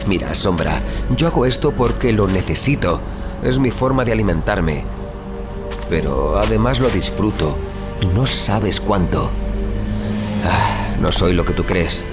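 A man plays a brooding killer who roams the night in an audio drama. His voice sits a little low and moves expressively, with a Castilian Spanish accent and a wry, coarse turn of phrase. Music runs behind him. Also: animated, measured pace, pauses often. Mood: dark, confiding. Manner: wry, foul-mouthed, colloquial. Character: brooding, sarcastic male night-prowling killer who narrates his story. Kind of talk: audio drama dialogue and first-person narration.

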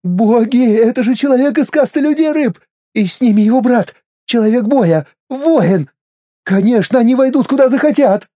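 A man's voice: extremely high pitch, animated, moderate pace, mellow, pitched above the performer's own voice. Man doing a panicking timid tribal boy. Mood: panicked. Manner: panicked, wailing.

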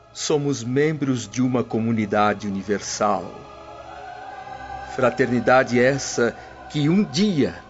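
An actor playing a devout early Christian preacher who addresses a gathering in measured, solemn tones, in a radio drama. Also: male voice, mid-range voice. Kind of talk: sermon-like radio drama speech. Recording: muffled audio with background music.

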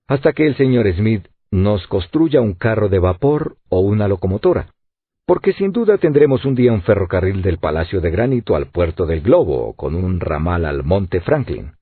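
A man's voice: fairly low pitch, very animated, normal speed, slightly rough, no echo. A man reading the lines of an honest, hopeful adult sailor in a storybook narration, with narrow phone-like sound. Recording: narrow phone-like audiobook audio.

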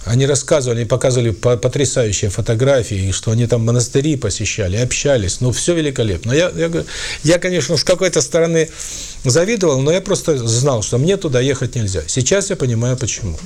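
A man's voice: mid-range voice, animated, fast, darkish tone. A man giving a spiritual talk to an audience, speaking with frequent fillers and restarts. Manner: hesitant, many fillers and restarts. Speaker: spiritual lecturer and author. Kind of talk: lecture with audience questions.

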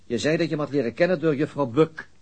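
A man's voice: fairly high pitch, fast talker, darkish tone, slightly rough. An actor in a radio drama playing a stern police detective, curt and controlled as he questions a suspect. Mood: probing.

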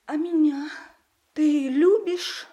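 An actress playing a bitter, wounded adult daughter, scornful and accusing, in a theatrical audio drama. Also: female voice, high-pitched, takes it slowly, mellow. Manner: scornful, accusing, emphatic repetition.

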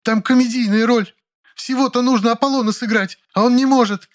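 A man voicing a temperamental, sharp-tongued older actress in an audiobook, scolding and indignant. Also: very high voice, fairly even intonation, a little fast, voice pushed up. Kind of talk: audiobook character voice.

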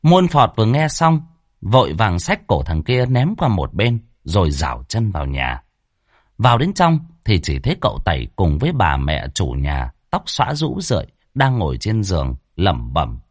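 Husky man telling a ghost story. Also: on the low side, no echo, studio quality. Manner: lively, dramatic, colloquial. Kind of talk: animated ghost story narration.

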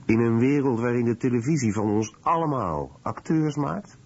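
A man's voice: medium pitch, expressive, normal speed, darkish tone, husky. A man reading translated commentary as a scripted documentary voice-over. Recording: dull lo-fi radio recording.

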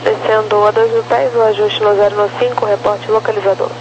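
A woman's voice: mid-range voice, flat delivery, fairly quick. A woman giving procedural air traffic control instructions over the radio, reading numbers digit by digit. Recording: dull, noisy radio with hum.

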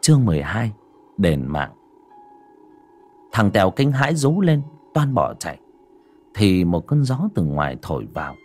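A man narrates a horror story in a husky voice. His pitch rises and falls expressively, sinking to a hushed, slow delivery for suspense.

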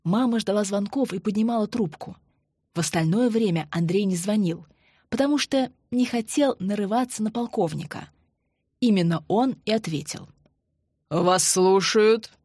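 A woman narrating an audiobook in an even, measured way. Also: medium pitch, husky, no echo, studio quality. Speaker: audiobook reader.

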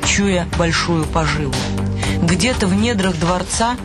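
A man's voice: sits high, measured pace. A man reading scripted literary narration for a radio play, with music behind his voice.

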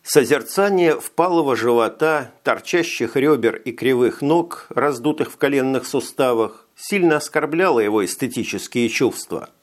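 A man's voice: medium pitch, lively intonation, moderate pace, few pauses. Man narrating an audiobook steadily. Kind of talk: scripted narration.

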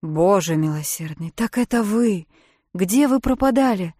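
A woman reading a kindly, flustered male boat-rental owner, talking in loud, excited exclamations. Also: medium pitch, normal speed, no room sound, studio quality, natural voice. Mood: bewildered.

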